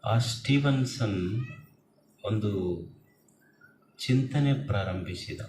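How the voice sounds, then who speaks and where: A man preaches slowly and deliberately, setting each phrase apart with a pause. His voice sits a little low. The sound is roomy and distant, with a faint hiss underneath. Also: a little mellow. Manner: slow, measured delivery with long pauses. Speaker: religious speaker. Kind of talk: sermon. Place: large public event hall. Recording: roomy echo from a distant mic with faint noise.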